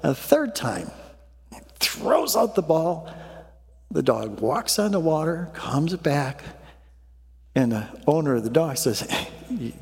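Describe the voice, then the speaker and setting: A man preaching a sermon, warming up with a folksy made-up story before turning to the gospel lesson. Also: on the high side, big pitch swings, slow pace, vocal fry, pauses often, long reverb tail. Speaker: pastor.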